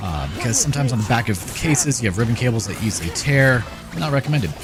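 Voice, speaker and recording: With music in the background and audible room echo, a man talks at a very fast pace with lively intonation. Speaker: gaming streamer. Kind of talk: casual chat.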